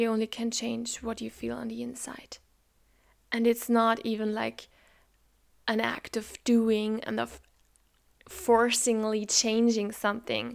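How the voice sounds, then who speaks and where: With a German accent, a woman speaks at a fairly slow pace. She leaves long, frequent pauses. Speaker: podcast host and spiritual practitioner. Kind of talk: reflective solo monologue.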